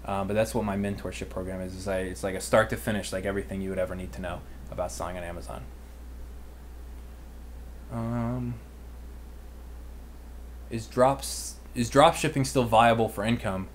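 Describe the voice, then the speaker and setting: His voice on the low side and fairly even, this twenty-something American talks at normal speed but pauses often while answering viewers. He hosts and mentors on an online business livestream, chatting casually with youthful slang over slight background noise.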